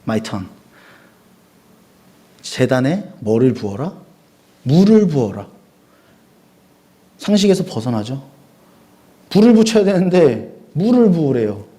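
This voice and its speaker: A man preaching a sermon, telling the story in a lively way, asking the congregation questions and acting out the quotes with sound effects. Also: a little high, a little slow, pauses often.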